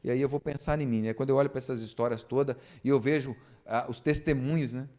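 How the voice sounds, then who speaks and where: A man's voice: medium pitch, fairly even intonation, quick pace, mellow. A man, preaching a sermon in church and asking the congregation rhetorical questions. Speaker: pastor. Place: church service.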